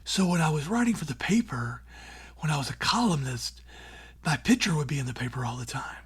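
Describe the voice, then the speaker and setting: A middle-aged man who hosts a radio show, answering interview questions in a breathy, raspy, near-whispered voice, earnest and plainspoken with casual fillers. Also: on the high side, big pitch swings, fairly quick. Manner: earnest and plainspoken, with many "you know" and "like" fillers. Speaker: radio show host and former newspaper columnist.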